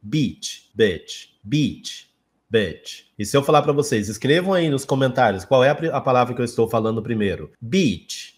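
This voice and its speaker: A Brazilian man giving a casual video lesson on English pronunciation, explaining at length and repeating example words slowly. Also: mid-range voice, expressive. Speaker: English teacher.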